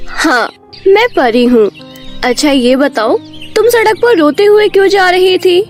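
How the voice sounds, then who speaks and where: A woman voicing a tiny, kindly young fairy with a gentle, earnest manner in an animated fairy tale. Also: extremely high pitch, a little slow, soft background music. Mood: curious.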